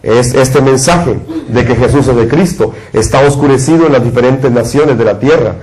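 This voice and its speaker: A man's voice: mid-range voice, normal speed, a little mellow, low-quality recording. A man from Guatemala, a preacher giving a sermon and leading a prayer with a repetitive, fervent cadence.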